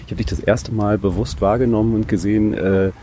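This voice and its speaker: A man's voice: lowish voice, steady tone, fairly quick, dark tone. A man from Berlin hosting a podcast interview outdoors, talking casually with lots of hesitations and restarts. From Berlin, Germany. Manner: hesitant, many fillers and restarts. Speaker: podcast host. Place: outdoors on a hot windy day. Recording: outdoor recording with light wind noise.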